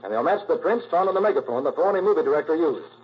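A man's voice: on the high side, lively intonation, racing, close to an everyday voice. An actor playing a confident, methodical male detective in a 1940s radio crime drama, explaining things with firm assurance. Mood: assured, explaining. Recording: dull, faintly noisy 1940s radio recording.

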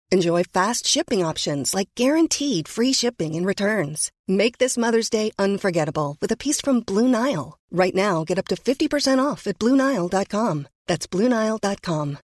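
A female announcer reading a scripted commercial in a smooth, upbeat way. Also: mid-range voice, no room sound, studio quality.

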